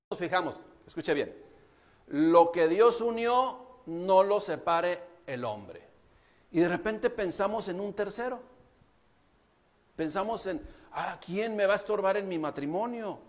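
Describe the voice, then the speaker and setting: High-voiced Mexican preacher man. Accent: Mexican Spanish. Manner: preaching, addresses the congregation directly. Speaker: pastor. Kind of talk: sermon.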